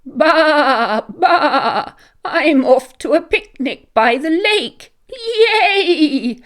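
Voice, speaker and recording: Lady doing a happy bleaty sheep guy for a kids story, eager, high and bouncy. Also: lively intonation, very slow, fairly bright tone, heavily acted. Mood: excited. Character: cheerful, eager male ram sheep bleating happily.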